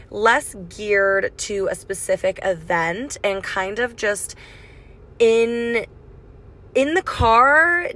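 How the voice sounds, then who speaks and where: Raspy young woman chatting into a phone. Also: medium pitch, fairly bright tone. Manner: chatty, swears freely. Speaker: podcast host. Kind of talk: casual solo rant. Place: in a car. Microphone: phone microphone.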